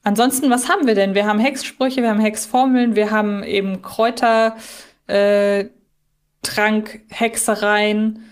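A woman hosts a casual podcast discussion. Her voice sits at a middle pitch. She talks in a reflective way, working out her thoughts as she goes. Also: fairly even intonation, unhurried, clean tone. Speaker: podcast host.

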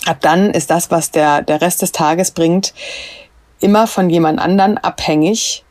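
A woman's voice: on the low side, unhurried, a little mellow, no echo. A woman in her thirties co-hosting a casual parenting podcast, explaining her points with everyday examples. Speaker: podcast co-host.

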